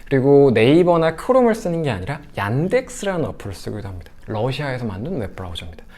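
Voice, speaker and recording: Animated male lecturer with lively pitch. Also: fast talker. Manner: animated, acts out quoted lines. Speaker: sex education lecturer. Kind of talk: lecture to parents.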